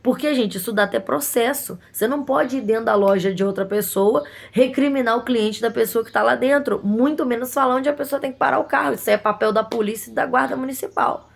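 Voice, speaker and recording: Woman shop owner, fairly high gravelly voice, animated indignant storyteller. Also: fairly quick, few pauses. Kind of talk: casual storytelling to viewers.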